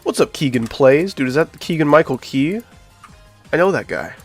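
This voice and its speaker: A man's voice: fairly high pitch, lively intonation, normal speed, breathy edge, soft background music. Sick, nasal-voiced man streaming. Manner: chatty, talks to chat while working. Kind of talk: casual live-stream chat while building a game level.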